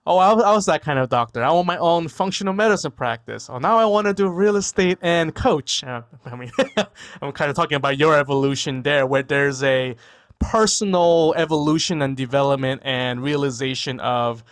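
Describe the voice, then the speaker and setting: A man's voice: a little high, normal speed, a bit bright. A man in his forties from New York, a guest physician whose first language was Korean. He talks in a casual, thoughtful way, repeats words and often tags on "right?", speaking over a video call from a room at home. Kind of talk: casual interview talk.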